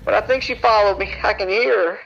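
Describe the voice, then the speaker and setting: A man plays a terrified, haunted trucker in a radio drama. His high voice cracks with fry as he stammers and halts in shock. The radio sound is muffled, with noise behind it. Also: brisk, a bit bright. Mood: horrified. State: in shock, frightened. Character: terrified, shocked male trucker recounting horror.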